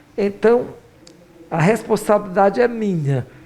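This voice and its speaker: A man's high-pitched voice with lively intonation at a very slow pace, over noticeable background noise. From Brazil, southern Maranhão. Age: 60s. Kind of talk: interview. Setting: bishop's residence.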